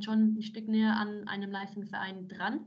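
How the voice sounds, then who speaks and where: There is audible room echo around a woman speaking at a moderate pace. Her voice is somewhat breathy, with monotone, flat intonation. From Germany. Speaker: professional footballer. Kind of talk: interview.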